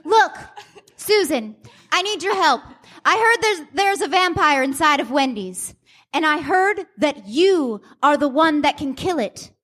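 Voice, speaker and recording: A woman's voice: high-pitched, expressive, measured pace, a bit bright. A woman playing an earnest, pleading young mermaid princess in an improvised stage radio play. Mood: earnest, urging. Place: live comedy theater stage.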